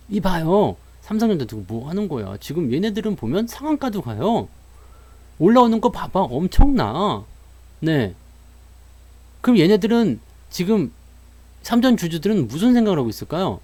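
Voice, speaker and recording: A man giving a casual stock market talk, animated, acting out joking quotes and analogies and laughing often mid-sentence. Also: high voice.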